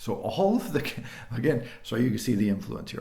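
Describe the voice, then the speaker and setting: A somewhat breathy man at medium pitch speaks at a moderate pace, with audible room echo. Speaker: philosophy lecturer. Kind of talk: lecture. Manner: animated.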